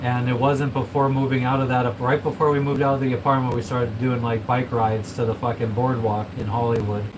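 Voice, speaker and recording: Male vlogger, monotone casual rambler, middle pitch, noisy recording. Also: brisk, few pauses. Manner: rambling, swears a lot, self-described monotone. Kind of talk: casual chat. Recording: noisy room with air conditioning and traffic hum.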